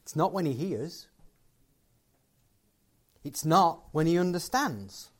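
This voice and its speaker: High-voiced man preaching with emphasis. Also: animated, slow pace. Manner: conversational, building to emphatic points. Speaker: guest preacher. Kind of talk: closing sermon and prayer.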